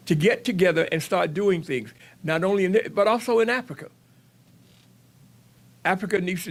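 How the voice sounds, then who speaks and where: High-voiced man, emphatic forum speaker. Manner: repetitive, emphatic, many restarts. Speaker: panel speaker. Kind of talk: community forum discussion.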